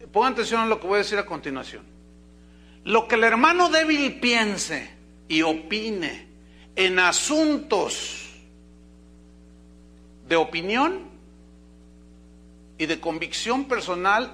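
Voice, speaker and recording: A man's voice: high-pitched, bright, forceful tone, a little hiss or hum. A man with a Mexican Spanish accent preaching a sermon in a church, talking conversationally, acting out quoted exchanges and asking the congregation questions. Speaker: pastor.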